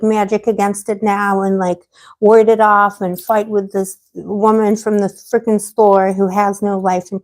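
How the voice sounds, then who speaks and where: A woman's voice: medium pitch, a little mellow, poor audio. A woman hosting a tarot livestream, talking in a loose, rambling way with lots of fillers, restarts and small laughs. Her voice sits in an ordinary middle range. It sounds slightly worn, as if it has been giving out lately. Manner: gossipy, laughs often. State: losing her voice. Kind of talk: casual livestream chat. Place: living on a Mediterranean island.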